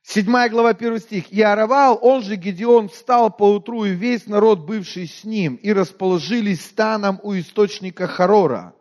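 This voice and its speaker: A preacher from Moldova with a high voice for a man, talking through his sermon like a conversation. He quizzes the congregation and often sinks to a near-murmur. His words ring out with a long hall reverb. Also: moderate pace, few pauses, dull audio. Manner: conversational, asks the congregation questions, often drops to a quiet voice.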